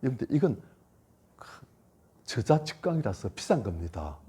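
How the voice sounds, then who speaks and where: A male pastor preaching a sermon, emphatic and repetitive, swinging between loud lines and hushed ones. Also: medium pitch, very animated, normal speed, slight background noise. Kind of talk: sermon at a church retreat.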